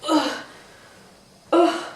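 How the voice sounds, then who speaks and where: A woman's voice: drawn-out words, slight background noise. A woman playing a frumpy, self-important CEO in her forties, awkward and rambling in a comedy sketch. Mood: flustered. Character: frumpy, flustered, self-important forty-two-year-old female CEO. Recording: echoey room, distant microphone.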